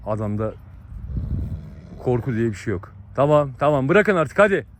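A man's voice: medium pitch, sing-song, normal speed. A man narrating to his viewers while trying to separate two fighting dogs outdoors, giving urgent repeated commands. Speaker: dog breeder vlogger. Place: outdoors in a dog yard. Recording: outdoor recording with dog noise.

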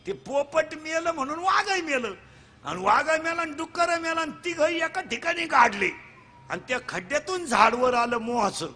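A man preaching a comic kirtan sermon, telling stories and acting out the characters' voices, and shouting the punchlines. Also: very high-pitched, lively intonation, normal speed.

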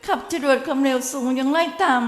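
A woman's voice: sits high, fairly even intonation, quick pace. A woman with an Isan accent giving earnest, cautionary commentary as a news commentator. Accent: Isan Thai. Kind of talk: moralizing commentary. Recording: echoey room with long reverb and faint music.

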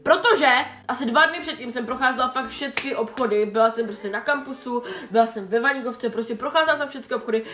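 A young woman vlogger chatting in an animated, exasperated way while doing her makeup. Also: on the high side. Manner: animated, exasperated retelling with quoted dialogue. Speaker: beauty vlogger. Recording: echoey room with faint background music.

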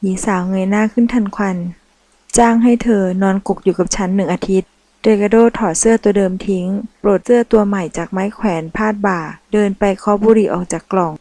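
A woman narrating a romance novel as an audiobook, reading in a slow, measured way. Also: mid-range voice, steady tone, warm tone, no echo, low-quality recording.

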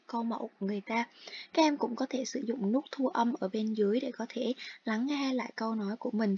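A fairly high-pitched woman with a husky edge walks students patiently through an online English lesson. The recording is dull and lo-fi. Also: dark tone. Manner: explains patiently, addressing students directly. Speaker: English teacher.

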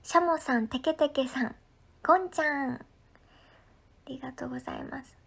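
A high-pitched woman from Ehime with a local lilt, talking casually on a livestream as she reads viewer comments aloud. Her tone is friendly and chatty, and she often slips into soft, breathy half-whispers. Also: normal speed, slight background noise. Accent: Ehime Japanese. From Ehime, Japan.

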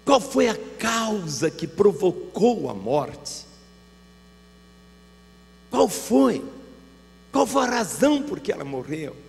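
A man's voice: high-pitched, big pitch swings, slow, gravelly, pauses often, a little mellow, in a large hall. A Brazilian man preaching a sermon as pastor, telling vivid pastoral anecdotes. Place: large church hall.

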